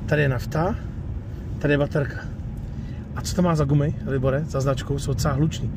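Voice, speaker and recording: A man's voice: a little high, fairly even intonation, noisy background. A man hosting a casual car vlog, talking informally through a walkaround and test drive at a used car lot. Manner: chatty, informal, tags sentences with "jo". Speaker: host of a car review channel. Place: outdoors at a used car lot, then inside a car.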